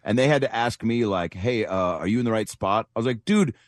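A man's voice: fairly low pitch, a little fast, no echo. Rambling man telling comic stories. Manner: rambling storyteller with fillers and self-deprecating jokes. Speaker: comedian guest. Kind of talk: casual anecdotal chat.

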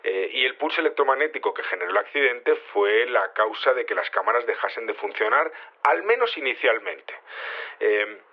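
A man playing an earnest, defensive security chief in an audio drama, explaining haltingly through a phone filter. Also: medium pitch, expressive. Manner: hesitant, halting explanations with frequent tags. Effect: phone-line filter. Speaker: head of security interviewed on air. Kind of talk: audio fiction acted as a live call-in interview. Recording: dull, band-limited phone call.

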